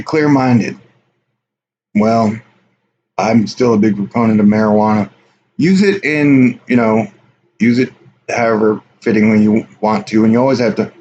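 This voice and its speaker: On a dull, lo-fi stream with faint hiss, a man hosts a casual live stream, reading viewer chat aloud and rambling offhandedly. His voice is a little mellow and on the low side.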